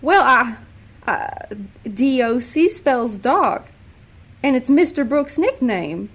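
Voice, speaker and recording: A woman's voice: sits high, sing-song, slow, heavily acted. A woman playing a polite, secretly scheming visitor in an amateur radio-style mystery. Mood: hesitant. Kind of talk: amateur radio-play acting. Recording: faint background noise.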